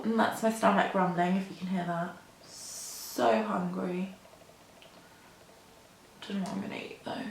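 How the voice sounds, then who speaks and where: A woman's voice: on the low side, gravelly, reverberant, slight background noise, low-quality recording. A woman in her twenties, rambling casually to camera while doing her makeup at a mirror, full of "like" and "um" and self-deprecating asides. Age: 20s. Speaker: beauty vlogger. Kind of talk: chatty get-ready-with-me rambling. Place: indoor room at a mirror.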